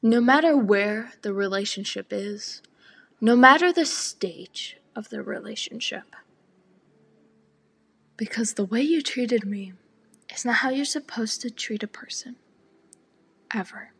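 Teenage girl, fairly high voice, breathy half-whispers, spoken word recitation. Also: fairly bright tone. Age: teens. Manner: slow and deliberate, partly whispered.

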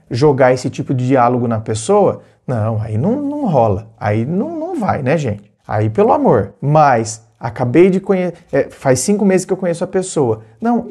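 A man with a Brazilian accent talking directly to viewers as a relationship advice coach, animated, acting out short bits of dialogue. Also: fairly high pitch, husky. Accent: Brazilian Portuguese. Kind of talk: casual advice monologue to viewers.

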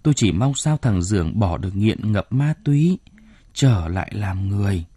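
A man's voice: fairly low pitch, normal speed, breathy edge, dry recording. A man doing a kindly old village farmer. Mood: forgiving. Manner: calm, forgiving.

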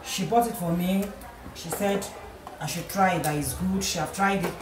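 Nigerian woman, 30s, home vlogger; low-ish voice, noisy camera audio from a small kitchen. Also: moderate pace. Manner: chatty, repeats herself, playful bursts of self-praise. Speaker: vlogger and mother. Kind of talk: casual home vlog narration. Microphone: camera on tripod.

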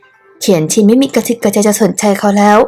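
A woman narrating an audio novel in a calm, even reading voice. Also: medium pitch, fast, soft background music. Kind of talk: scripted narration.

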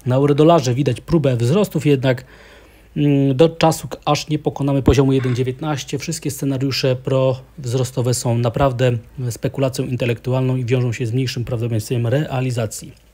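A man with a mellow, darker voice delivers steady market commentary as an analyst. He talks in a measured way, pausing often with small hesitations as he works through each chart. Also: mid-range voice.

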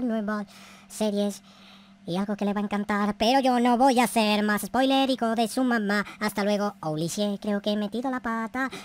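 A woman hosting a gaming video, giving theatrical, slangy, profane Minecraft roleplay commentary full of exclamations. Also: mid-range voice. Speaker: gaming video creator and host.

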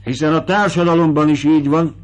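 A man's voice: a little high, steady tone, muffled recording, pitched above the performer's own voice, close to an everyday voice. A man voicing a genial, self-satisfied baron who talks in an expansive, declaiming way. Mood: jovial, boastful. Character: genial high-born male baron, talkative and self-satisfied.

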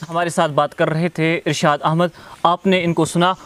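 A man's voice: on the high side, level tone, normal speed, fairly bright tone. A man, presenting and interviewing in a formal, declamatory way. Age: 20s. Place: outdoors on a lawn beside a wooden house.

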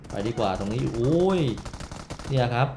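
A man giving loud, rowdy live commentary while playing a shooter game, swearing and yelling during fights. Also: medium pitch, expressive, brisk, gravelly. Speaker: gameplay streamer. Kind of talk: casual live gameplay commentary. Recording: echoey room with faint game noise. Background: gunfire from the game.

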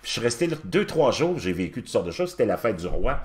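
A man in his fifties with a Québécois accent, telling a personal story in a casual, animated way and talking straight to the listener. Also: lowish voice, quick pace. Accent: Québécois French. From Quebec. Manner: animated, addresses the listener directly.

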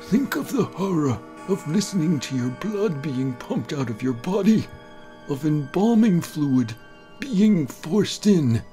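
A man voicing a morbid, scheming old gentleman in a dramatic, drawn-out horror story reading. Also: a little high, big pitch swings. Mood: morbid raving. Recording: voice over background music.

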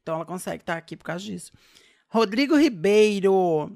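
A woman hosts a podcast and reads viewer comments aloud, tossing in friendly asides between them. Her voice has a strong gravelly fry at a middle pitch. She stays relaxed and conversational throughout. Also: fairly quick. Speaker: podcast host. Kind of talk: interview hosting, reading viewer comments.

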